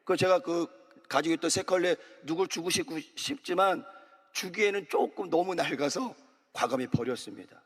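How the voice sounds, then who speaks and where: Preaching early in the morning, this pastor urges the congregation on and asks them to say amen and repeat phrases. He speaks at a moderate pace in a fairly high, slightly rough voice, and the large sanctuary adds a long church hall reverb.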